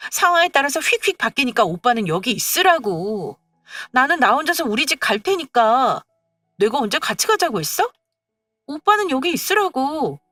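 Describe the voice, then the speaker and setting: A woman's voice: on the high side, pushed and bright, no echo, full character voice. A woman voicing a fed-up young wife who talks in a curt, indignant way.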